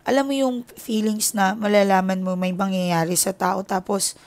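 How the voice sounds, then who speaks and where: Filipina tarot reader confiding a story. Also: female voice, medium pitch, fairly even intonation, normal speed, darkish tone. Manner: candid, confiding, strings thoughts with many filler connectors. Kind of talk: casual personal storytelling.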